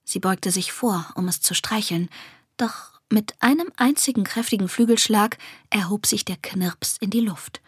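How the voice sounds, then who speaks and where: A woman narrating a children's fantasy story softly and expressively, often dropping to a whisper. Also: mid-range voice, measured pace, breathy edge, no echo, studio quality. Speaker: audiobook narrator.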